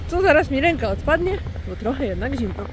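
A woman's voice: high-pitched, sing-song, brisk. A woman in her thirties from Poland, chatting casually and playfully into a phone held at arm's length while she walks outside under an umbrella. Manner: chatty, playful, self-ironic. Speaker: vlogger. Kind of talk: casual vlog chat. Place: snowy city streets outdoors, under an umbrella. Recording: faint street noise and passing cars.

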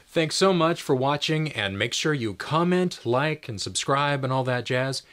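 A man's voice: mid-range voice, animated, unhurried, fairly bright tone. A young man talking casually to camera as a video host. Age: young adult. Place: indoors against a plain pale backdrop. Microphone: shotgun microphone in view.

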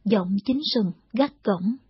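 A woman narrating a war novel in a steady, measured storytelling read, in a dull lo-fi audiobook recording. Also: mid-range voice, husky, no room sound.

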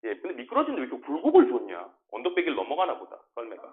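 Male English tutor, high animated voice, drills words and asks quick checks, tinny phone-like classroom recording. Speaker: English academy teacher. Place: small classroom.

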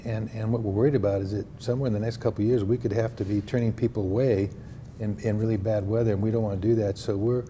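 A man's voice: lowish voice, mellow, a little hiss or hum. An older man, a pastor at a homeless mission, talking earnestly in a live TV news studio interview with a Midwestern American accent, often repeating words as he restarts.

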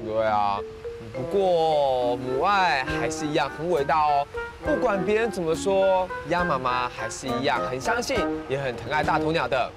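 A man's voice: on the high side, expressive, normal speed, loud music behind the voice. A young man presenting a children's show outdoors, discussing a story. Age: young adult. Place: outdoors in a garden.

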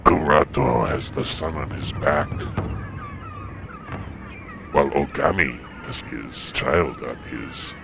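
A man playing a stern, commanding old samurai clan master in an animated drama, speaking with slow, imperious weight in a gravelly voice. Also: a bass voice, noisy background, full character voice. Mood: menacing, confident. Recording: prominent music behind the voice.

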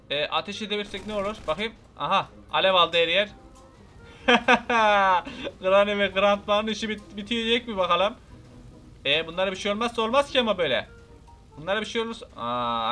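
A young man giving excited, playfully menacing commentary over his own gameplay, repeating lines and talking to his viewers. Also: high voice. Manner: loud, repetitive, playfully menacing banter. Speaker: gameplay video host.

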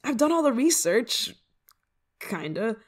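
A woman's voice: on the high side, very animated, slow, exaggerated voice. A woman playing an eager, affectionate, scatterbrained novice witch in an ASMR roleplay, coaxing the listener in a giggly manner. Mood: pleading, excited. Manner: giggly, coaxing, hesitant asides. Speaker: roleplay voice performer.

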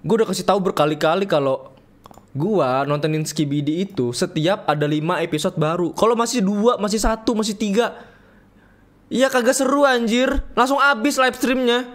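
High-voiced rowdy young streamer. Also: male voice, moderate pace, a bit bright. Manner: rowdy, joking, slangy, reads game text aloud. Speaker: gaming streamer. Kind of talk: livestream game commentary.

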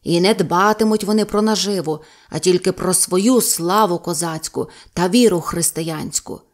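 A woman's voice: lowish voice, normal speed, close to an everyday voice. Woman voicing a solemn old Cossack sage. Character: wise old male Cossack mystic, calm.

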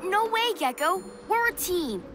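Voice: very high-pitched, very animated, unhurried, heavy background noise, heavily acted. A performer voicing a caring, decisive child superhero in a children's cartoon, urgent and encouraging. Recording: loud music behind voice.

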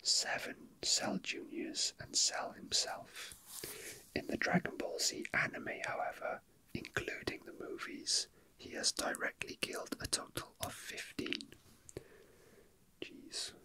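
Slow, bright whispering ASMR voice. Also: rough recording. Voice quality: breathy unvoiced whisper. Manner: soft, unhurried, murmuring to self. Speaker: toy unboxing video host. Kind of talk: whispered ASMR, casual rambling.

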